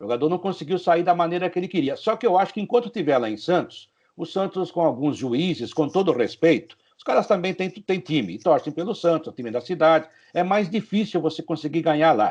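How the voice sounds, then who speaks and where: His voice is high-pitched. The man's intonation rises and falls in a lively way. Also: fairly quick pace. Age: 60s. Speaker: sports radio commentator. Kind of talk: sports talk show discussion. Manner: opinionated, conversational.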